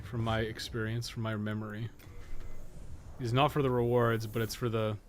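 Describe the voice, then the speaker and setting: A man's voice: medium pitch, slight background noise. A man giving casual, rambling live commentary as he games, thinking aloud and swearing freely. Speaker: gaming streamer and podcast co-host.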